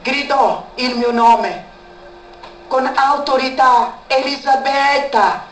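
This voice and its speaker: Woman, testimony speaker, slow deliberate delivery, distant mic in an echoey room. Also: fairly high pitch. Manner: repeats words for emphasis. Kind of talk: emotional spoken testimony. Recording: echoey room, far from mic, faint background noise.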